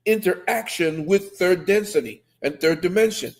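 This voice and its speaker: A man's voice: high-pitched, normal speed. An older man who grew up in Trinidad, telling stories and lecturing with conviction on a casual video call. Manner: emphatic storyteller, lectures with conviction. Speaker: co-host. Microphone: webcam on video call.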